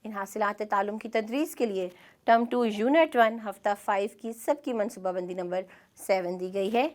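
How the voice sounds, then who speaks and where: A woman with a Pakistani Urdu accent, teaching a scripted classroom lesson in a clear, measured way. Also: mid-range voice. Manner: clear, measured instructional delivery.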